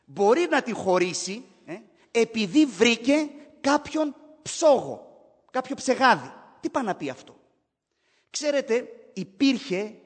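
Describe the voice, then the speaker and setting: A man's voice: high-pitched, long reverb tail. A man preaching a sermon, explaining points emphatically in a conversational way and asking the congregation rhetorical questions. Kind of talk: sermon, Bible teaching.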